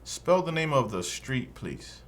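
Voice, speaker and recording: A man voicing an immigration officer running an interview. He asks one formal question after another in a neutral, even manner, at a mid pitch for a man. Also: a little slow. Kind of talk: scripted practice dialogue.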